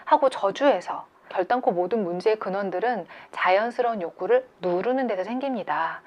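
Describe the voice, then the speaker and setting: A woman giving a calm, explanatory lecture on creativity to an online audience, often posing questions to her listeners. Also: mid-range voice.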